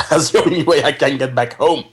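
A man's voice: medium pitch, moderate pace. A man co-hosting a casual radio show, full of stammered restarts and easy laughter. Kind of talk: casual chat.

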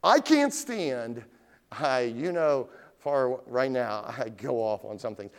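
A middle-aged man preaching an evening sermon in a conversational, animated way, putting question after question to his congregation. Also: mid-range voice, takes it slowly. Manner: asks the congregation direct questions. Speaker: pastor.

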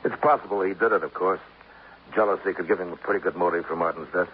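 An actor playing a blunt police lieutenant who speaks brusque and plain in 1950s radio acting. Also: male voice, low-pitched, steady tone, fast talker, lightly acted. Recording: tinny, lightly hissy old radio broadcast.

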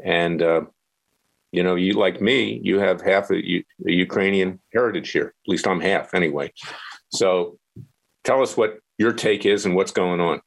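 A man's voice: low voice, moderate pace, vocal fry, poor audio. A man hosting a political talk show, arguing bluntly and cutting in on his guest. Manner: forceful, interrupting, blunt.

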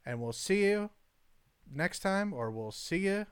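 Man, higher voice, smooth, easygoing podcast host, dry mic. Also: big pitch swings, unhurried, dry recording. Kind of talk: podcast sign-off.

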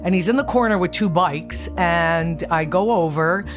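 A woman's voice: on the low side, moderate pace, music in the background. A woman being interviewed about her fitness career, speaking with enthusiasm and acting out what people said. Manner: enthusiastic, animated, acts out quotes. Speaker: guest, fitness studio founder. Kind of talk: conversational interview storytelling.

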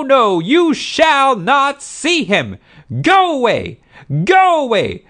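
A man acts out a big, malicious peasant woman from a storybook. The voice is a very high, shrill falsetto that swoops about with wailing melodrama, loud and volatile. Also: exaggerated voice. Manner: wailing, melodramatic, screaming when angered. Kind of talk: acted audiobook character dialogue.

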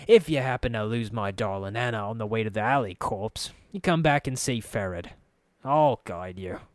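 A man's voice: lowish voice, normal speed, no room sound, clean studio sound, natural voice. A man voicing a sly, theatrical underworld boss who speaks with mock courtesy and menace. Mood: sly, amused.

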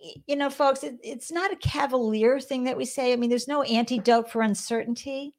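A woman's voice: high-pitched, brisk, a little mellow. A woman with a Boston accent hosting an interview, upbeat and encouraging, often speaking straight to the listeners. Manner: encouraging, addresses listeners as folks. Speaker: podcast host.

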